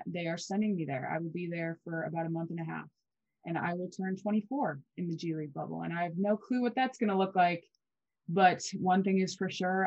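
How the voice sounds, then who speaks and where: A woman in her twenties co-hosting a college basketball podcast, chatty and quick with fillers and restarts. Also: medium pitch, a little mellow, no room sound, dull audio. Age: 20s. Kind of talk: casual sports podcast chat.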